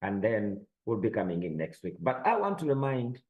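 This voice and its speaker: A man's voice: on the low side, very animated, highs cut off. Man hosting a news panel. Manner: brisk, moderating. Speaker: host.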